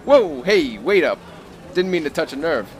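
A man's voice: fairly high pitch, wildly swooping pitch, moderate pace, creaky, heavily acted. An actor playing a tense, brawny man in a military jacket offering a shady job in an audio drama, talking easy over his nerves. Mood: placating. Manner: easy talk over nervous tension.

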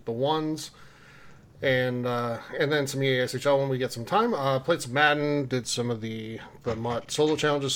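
Medium in pitch and fairly bright in tone, this male podcast host keeps things conversational, speaking informally to co-hosts and listeners while sharing community announcements.

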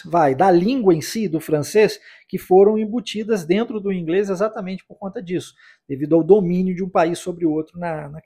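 Husky high-voiced man teaching English. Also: mellow. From United States. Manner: explanatory, repeats phrases for the listener to practise. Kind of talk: podcast language lesson.

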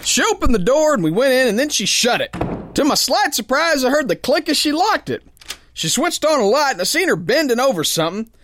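Actor as a cocky tough boxer, lively delivery. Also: male voice, very high voice, fairly quick, a little hiss or hum, exaggerated voice. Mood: bemused. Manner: folksy slangy tough-guy drawl. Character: tough, cocky, uneducated male sailor boxer telling his yarn. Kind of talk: pulp radio drama narration and dialogue.

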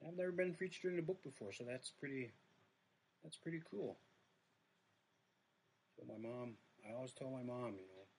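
A man's voice: mid-range voice, moderate pace, creaky, pauses often, a little mellow, a little hiss or hum, low-quality recording. A middle-aged man with a Native American reservation accent, chatting casually on a livestream in a rambling, self-deprecating way that trails off. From Red Lake reservation, United States. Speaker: comedian, live-stream host.

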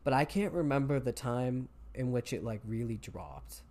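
A young man, talking casually as an interview guest and rambling with many fillers; his voice jumps higher when he gets excited. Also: normal speed. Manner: rambling, heavy use of "like". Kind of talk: casual conversation.

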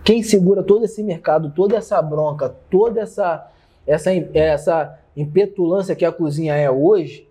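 A man's voice: on the high side, moderate pace, warm tone, husky. A man born in Bahia and raised in Rio, a chef co-hosting a casual podcast chat, explaining his points emphatically and repeating phrases. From born in Bahia, raised in Rio de Janeiro.

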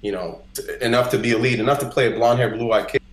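This podcast guest, a singer-songwriter from Costa Rica whose native language is Spanish, talks fast in a mid-range voice. His casual storytelling is packed with "like" and "you know," and the indoor recording sounds roomy and echoey.

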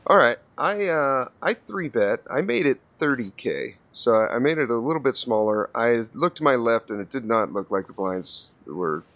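A man's voice: medium pitch, animated, moderate pace, few pauses, fairly bright tone. A man hosting a podcast, casually recounting a poker hand he played, with lots of fillers and restarts. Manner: storytelling with many fillers and restarts. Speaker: podcast host.

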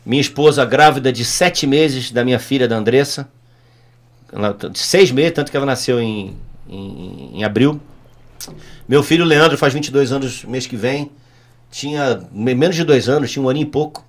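A man's voice: medium pitch, moderate pace. A middle-aged man, a former police officer and politician, telling stories bluntly and emphatically as an interview guest. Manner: emphatic, repetitive, blunt, storytelling. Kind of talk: casual interview storytelling.

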